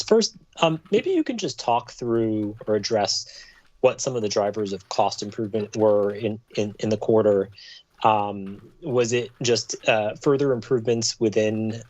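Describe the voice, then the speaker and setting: Male analyst, fairly low voice, courteous halting questioner, lo-fi conference line. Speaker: financial analyst asking questions. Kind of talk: polite prepared questions on a conference call. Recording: dull, lo-fi conference call line.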